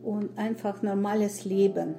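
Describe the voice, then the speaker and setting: A woman in her sixties from Ukraine, answering interview questions in a halting way with many pauses and fillers. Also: medium pitch, steady tone, music in the background. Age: 60s. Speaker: guest, association founder.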